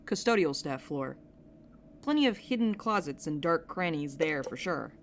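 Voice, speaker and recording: A woman's voice: sits low, animated, normal speed. A woman acting in an audio drama podcast as a wry, sceptical, tough and loyal companion, with a dry, blunt delivery. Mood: wary, dry. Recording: clear background noise, ambient sound bed.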